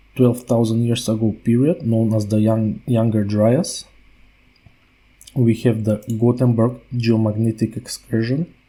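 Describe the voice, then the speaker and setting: A man with a non-native accent speaks at a fairly slow pace with long, frequent pauses, his medium-pitched, somewhat breathy voice dark and mellow in tone, with fairly even intonation and very even loudness. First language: not English. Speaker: YouTuber, alternative science commentator. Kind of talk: video monologue presenting evidence. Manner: halting, with self-corrections.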